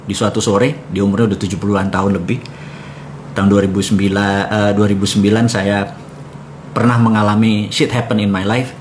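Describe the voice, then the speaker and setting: A man's voice: lowish voice, slight background noise. A man hosting a live talk, telling stories in a conversational way and speaking directly to his audience. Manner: conversational storyteller addressing the audience; animated when reenacting dialogue. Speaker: host of a live economics talk. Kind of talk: live motivational talk with storytelling.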